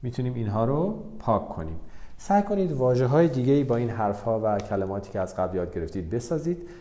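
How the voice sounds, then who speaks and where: A man teaching the Persian script in a video lesson, dictating words slowly and drawing them out between quicker instructions. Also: medium pitch, lively intonation, warm tone. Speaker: language teacher. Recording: roomy echo.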